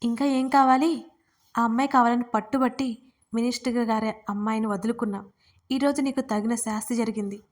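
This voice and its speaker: A woman's voice: a little high, steady tone, fairly quick, lightly acted. A woman voicing a stern, angry middle-aged father in a storybook reading. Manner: angry, clipped.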